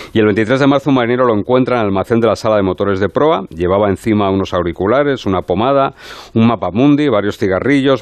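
Methodical low-voiced male reporter, dry sound. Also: a little mellow, no room sound. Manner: methodical, lists facts and dates. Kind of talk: detailed case report.

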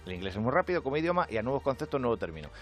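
A man from Spain with a Spanish accent, delivering an animated, jokey comic monologue on a radio show. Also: medium pitch, very fast, lo-fi sound, faint music behind. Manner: animated, jokey, acts out quoted voices. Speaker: comedian with a radio segment. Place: radio studio.

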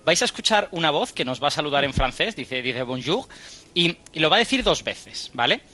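A man's voice: on the high side, sing-song, a little fast, bright, forceful tone. A man on a radio show, explaining a study and quizzing the hosts. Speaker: science guest.

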